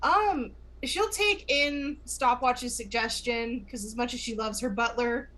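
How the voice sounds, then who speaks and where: A woman's voice: fairly high pitch, a little slow, fairly bright tone. A woman playing a tabletop game, chatting and narrating what her character does. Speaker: player. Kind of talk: tabletop role-play chat.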